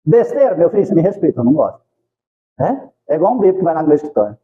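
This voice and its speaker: Brazilian guy preaching at a spiritist centre, high-ish voice, rattles off folksy stories and questions, dull lo-fi sound. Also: very animated, rapid-fire. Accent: Brazilian Portuguese. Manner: folksy storytelling, rhetorical questions, acts out dialogue. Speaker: spiritist lecturer. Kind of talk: informal spiritist talk with acted anecdotes.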